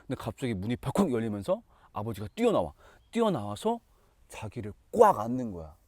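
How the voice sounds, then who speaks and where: A man teaching through a dramatic, animated storytelling style. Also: medium pitch, a little fast, no room sound, clean studio sound. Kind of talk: storytelling lesson.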